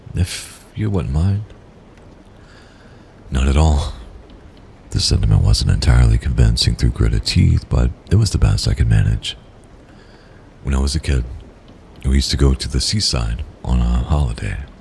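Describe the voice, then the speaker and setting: Through noticeable background noise, a soft-spoken man with a very deep, low voice talks at a moderate pace, his intonation lively and his pauses long and frequent. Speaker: livestreamer. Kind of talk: read story.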